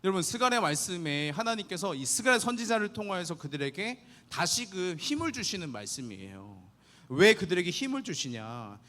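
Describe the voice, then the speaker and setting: Animated young man preaching a youth sermon. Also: high-pitched, long reverb tail. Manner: earnest, animated preaching with rhetorical questions to the youth. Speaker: youth pastor.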